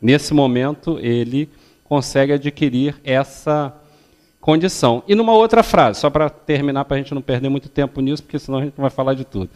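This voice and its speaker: A man's voice: medium pitch, fairly quick, darkish tone. An older man standing in a lecture hall giving a public religious talk, teaching step by step and often checking that the audience follows. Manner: didactic, ends phrases with checking questions; stands and gestures while speaking. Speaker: lecturer at a spiritist center.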